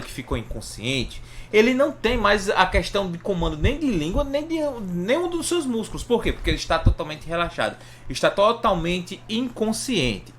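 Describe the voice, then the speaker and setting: Brazilian male educator, informal and didactic, very lively intonation on a highish voice, frequent check-in questions. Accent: Brazilian Portuguese. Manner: didactic, asks and answers own questions, frequent check-in tags. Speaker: health educator, online presenter. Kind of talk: informal anatomy lesson to camera.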